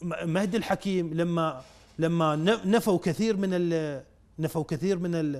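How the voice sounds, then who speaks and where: A man's voice, high in pitch, carries fairly even intonation. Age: young. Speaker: historian and author; guest. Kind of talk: interview. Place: studio. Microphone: lapel.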